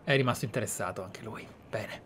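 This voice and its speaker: A man with an Italian accent giving casual, reflective game commentary in short phrases with pauses. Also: on the low side, music in the background. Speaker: gaming YouTuber.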